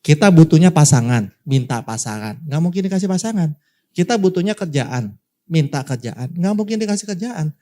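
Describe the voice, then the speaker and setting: A male pastor tells a story from the pulpit with lively swings in his delivery, slipping into the voices of the people in it. His voice sits a little higher than most men's. He keeps turning to address the congregation directly. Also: brisk. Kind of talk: sermon storytelling.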